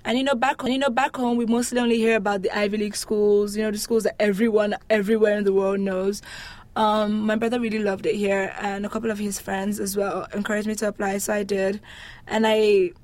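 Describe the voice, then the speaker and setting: A young woman from Lagos speaks with a Nigerian accent in a relaxed interview. She is chatty and expressive, answering with a humorous touch. Her pitch sits in an ordinary range for a woman. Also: a little fast. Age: young adult. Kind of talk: casual interview chat.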